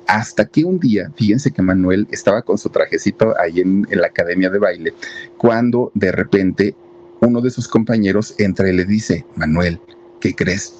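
A man, telling a story in a chatty, animated way and sometimes acting out the people in it. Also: lowish voice, normal speed, slight background noise. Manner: chatty, animated, acts out quoted voices. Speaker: storyteller host. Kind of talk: casual storytelling. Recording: dull lo-fi sound.

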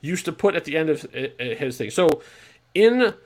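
Rambling podcast man, higher voice. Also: very animated, moderate pace, a little mellow. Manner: rambling, many restarts and "like" fillers. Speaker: podcast co-host. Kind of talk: casual chat. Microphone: own remote podcast mic.

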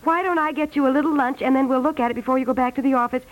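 Female actor as housewife, high voice, particular, sweetly insistent, old-time radio comedy. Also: racing, close to an everyday voice, poor audio. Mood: apologetic, agreeable. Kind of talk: 1950s radio comedy acting. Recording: vintage 1950s radio recording.

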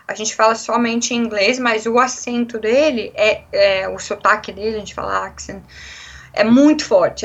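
A young Brazilian woman speaks in a Brazilian Portuguese accent, chatting freely as an interviewee and acting out quotes along the way. Her voice sits a little high, and the recording is somewhat muffled and lo-fi. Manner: chatty, animated storytelling with acted-out quotes. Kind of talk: casual conversational interview.

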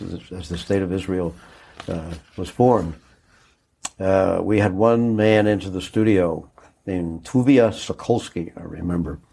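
An older man recalling a day he covered on air, speaking haltingly with many restarts and a moved, choked-up tone. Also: low voice, vocal fry, mellow, husky. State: moved, choking up. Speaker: interviewee recalling a broadcast. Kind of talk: reflective interview recollection.

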